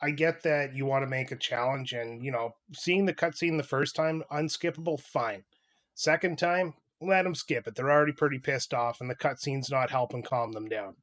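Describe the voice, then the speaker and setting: A man's voice: medium pitch, normal speed, fairly bright tone. A man co-hosting a podcast, casually reviewing video games with blunt, informal complaints. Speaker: podcast co-host.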